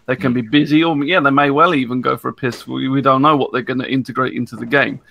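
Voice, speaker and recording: A man's voice: medium pitch, steady tone, quick pace, gravelly, bright, forceful tone. A man chatting on a casual gaming podcast, explaining things in a teasing way.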